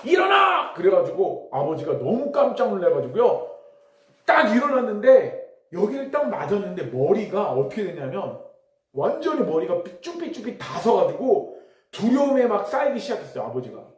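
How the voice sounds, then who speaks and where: A middle-aged man preaches in a roomy, echoing church hall. His voice sits high for a man and leaps all over the place as he tells a story. He drops to near-whispers and then bursts into loud cries. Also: normal speed. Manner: animated storytelling that swings from hushed asides to sudden shouts. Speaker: pastor. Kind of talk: sermon telling a personal story. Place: church sanctuary.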